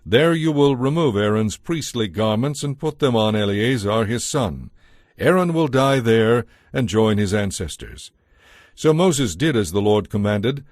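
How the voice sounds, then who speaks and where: A man narrating scripture from a script in a solemn, deliberate, clearly enunciated storytelling style. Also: mid-range voice, animated, darkish tone, no echo, clean studio sound. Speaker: Bible narrator.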